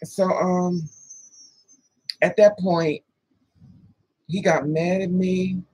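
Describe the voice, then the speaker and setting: A woman in her thirties tells a dating story to the camera, swearing freely and acting out both sides of the talk. Her voice is husky with a breathy edge. The recording is close and dry. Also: fairly low pitch, very slow, no echo, rough recording. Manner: animated, profane, laughing asides. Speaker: vlogger telling a dating story. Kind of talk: casual storytelling with quoted dialogue.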